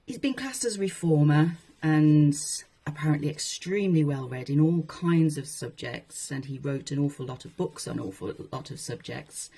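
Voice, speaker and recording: Casting: woman with a deep, soft-edged husky voice for informal readings of historical books, wryly amused. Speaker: presenter reading old texts. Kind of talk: informal talk with read-aloud passages from a historical book.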